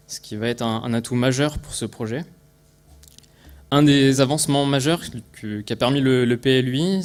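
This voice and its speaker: A man with a French accent from France speaks as a conference presenter explaining a technical project. His voice sits at a medium pitch. The delivery is halting, with phrases restarted and small words repeated as he goes.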